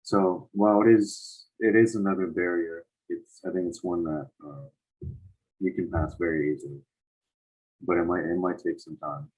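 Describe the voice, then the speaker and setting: Low, husky-voiced teenage young man. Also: steady tone, moderate pace, darkish tone, low-quality recording. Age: 17, late teens. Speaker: high school student in conversation. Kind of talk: casual conversational interview.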